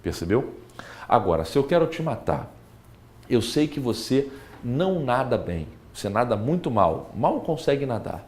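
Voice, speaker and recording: Lively Brazilian man teaching law. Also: medium pitch, normal speed. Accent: Brazilian Portuguese. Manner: animated, talks straight to the student, acts out examples. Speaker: law exam prep teacher. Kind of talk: recorded video lecture.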